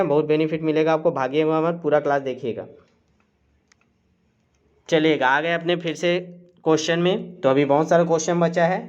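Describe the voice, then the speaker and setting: A man with a fairly high, slightly mellow, clean voice runs a live online exam-prep quiz class, with the highs cut off in the recording. He reads questions and answer options aloud and coaxes students by repeating "chaliega" and "theek hai."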